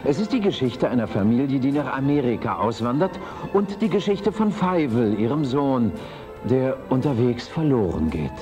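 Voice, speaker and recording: A man narrates a film trailer from a script, with lively, moving intonation at a medium pitch. Prominent music plays behind his voice. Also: normal speed.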